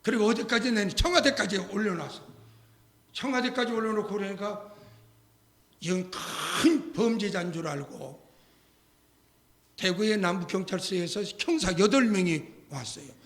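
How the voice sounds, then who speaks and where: An older man preaching a sermon as a pastor, telling a story with lively acted-out dialogue and sudden loud outbursts. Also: sits high, normal speed, pauses often, a little hiss or hum. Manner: animated storytelling, acting out quoted voices, shouting at climaxes.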